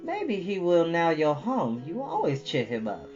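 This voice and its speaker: A woman's voice: on the low side, wildly swooping pitch, a little slow, dull audio, over music, voice pushed up. A woman voicing a plain-spoken, stern but caring older country woman in a folksy, matter-of-fact storybook reading. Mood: troubled.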